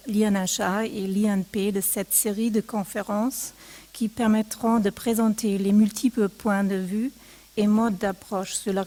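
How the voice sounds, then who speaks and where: A woman who is not a native French speaker, a museum provenance researcher giving a formal lecture slowly and carefully, with some hesitations. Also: medium pitch, a little mellow. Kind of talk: formal academic lecture read aloud. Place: lecture hall seminar.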